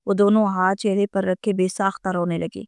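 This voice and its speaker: A woman's voice: medium pitch, little pitch movement, dry recording. Woman narrating a romance novel, dry and close.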